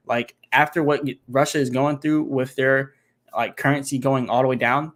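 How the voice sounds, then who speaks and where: Male streamer answering viewer questions, loose and rambling, working sums out loud. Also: medium pitch. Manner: rambling, thinks aloud while doing math, many fillers. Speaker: crypto channel host. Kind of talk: casual livestream Q&A. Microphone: home computer setup, single monitor.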